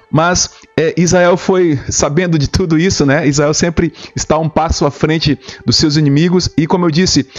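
A man in his thirties with a Brazilian accent hosts a news commentary video channel, explaining the news informally and speaking straight to his viewers. His voice is fairly high, and the audio is dull. He records in a small home studio with shelves, using a close desktop condenser mic, with music in the background.

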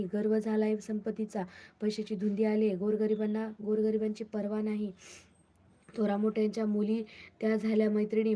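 A bitter old beggar woman from a spoken folk tale, read by a woman narrator, talking low with a cough now and then. The voice stays very flat and dark, and the tone is mellow and unhurried. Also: close to an everyday voice.

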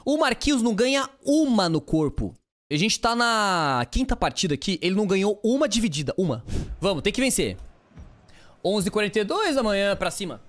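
A man with a Brazilian Portuguese accent doing live gameplay commentary for a football video game. He yells at his players and talks in casual slang. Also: high-pitched, a little fast. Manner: excitable, shouts at players, slangy banter. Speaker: gaming streamer.

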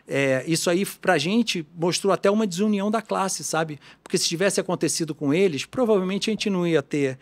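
A man talks as a podcast guest in a somewhat high register. He is animated and talkative, often breaking off and restarting his sentences. He speaks as an easygoing, expert shop owner. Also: a little fast, few pauses. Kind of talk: casual podcast conversation.

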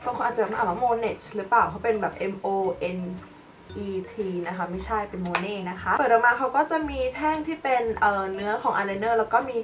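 A young woman beauty vlogger chats casually while demonstrating makeup products in a tutorial. Her voice is mid-range and moderately paced, sitting a bit far from the mic, with light background music.

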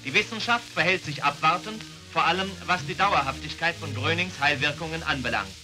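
A man reading a formal, measured narration for an old newsreel, heard from an archive recording. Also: on the high side. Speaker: newsreel announcer. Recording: old newsreel sound with loud music.

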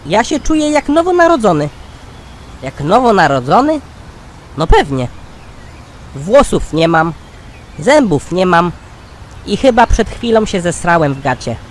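A man's voice: high voice, sing-song, unhurried, pauses often, slight background noise. Man playing a blunt, cheeky old cartoon codger. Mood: boastful, grumbling. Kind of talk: cartoon comedy sketch dialogue.

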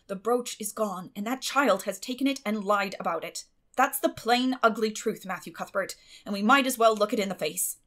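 A woman voicing a stern, suspicious middle-aged farm woman with a sharp, grim way of talking in an audiobook. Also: medium pitch, moderate pace, close to an everyday voice. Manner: sharp, grim, clipped scolding.

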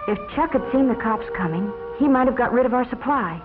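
A young American woman, played by an actress, recounts her troubled past as a former addict in a world-weary, dramatic confession. It has the narrow, dull sound of a 1950s film soundtrack, with music playing clearly behind her. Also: a little high, animated, a little fast, close to an everyday voice. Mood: weary, bitter. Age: young adult. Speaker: narrator of a confessional story. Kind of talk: 1950s educational film narration in first person.

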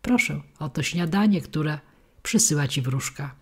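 A woman voicing a calm, phlegmatic male snail who speaks slowly and never hurries, in a storybook reading. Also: sits low, breathy edge, exaggerated voice. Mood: placid. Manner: slow, unhurried, unbothered.

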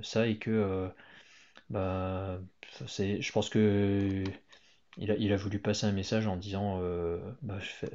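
A man's voice: sits low, a little mellow. A man talking casually over a screen recording, hesitant, with many fillers and restarts. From Hong Kong. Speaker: YouTuber commenting on Tesla news. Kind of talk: casual screen-share commentary. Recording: muffled lo-fi voice-over.

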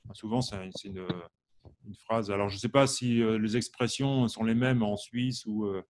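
A man's voice: on the low side, steady tone, normal speed, a little mellow, slight background noise. A man from France's Champagne region teaches a live online harmonica class. He talks in a loose, chatty way, poses questions to his viewers and answers them by name. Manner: asks the audience questions, many fillers. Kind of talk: live online music lesson.

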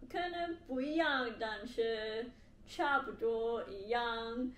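A young woman, a non-native Mandarin speaker with a foreign accent, talks casually to camera in a halting way, searching for words. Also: on the high side. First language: not Mandarin. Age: young adult. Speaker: language learner vlogger. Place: indoor living room with bare wall, on sofa. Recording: echoey room, faint background hiss.

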